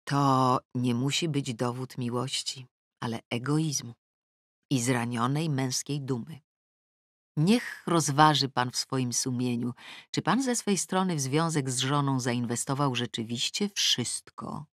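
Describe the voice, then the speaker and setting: A woman reading a novel aloud in the first person. She moves between sharp, scornful asides and a calm, measured advice-column voice. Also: extremely low pitch, no room sound, studio quality. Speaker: audiobook narrator. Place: recording booth. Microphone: studio microphone.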